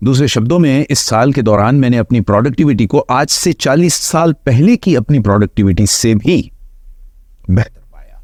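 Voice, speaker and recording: A man has an ordinary speaking voice at a medium pitch. The recording is very clean with a silent background, and the sound is dry and close with no echo. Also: lively intonation. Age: 60s. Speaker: health and weight-loss coach. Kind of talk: personal year-in-review vlog.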